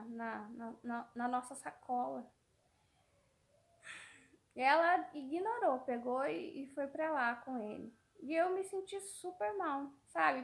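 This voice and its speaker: Brief: Brazilian mother, 30s, casual vlog storyteller, high voice with a gravelly edge, rambling delivery. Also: fairly bright tone. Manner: rambling, repeats words, trails off. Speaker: mother vlogger.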